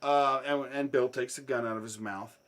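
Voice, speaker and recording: A man telling a swear-filled story in a casual chat, dropping low and then bursting into loud shouts. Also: normal speed. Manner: profane, animated, swings from hushed to shouting.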